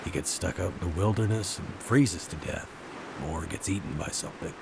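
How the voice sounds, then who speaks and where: A weary game hero with a low, deep voice. He sounds skeptical and dry, keeping a steady, measured delivery. Clear hissing noise sits behind him. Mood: questioning. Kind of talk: naturalistic video game acting.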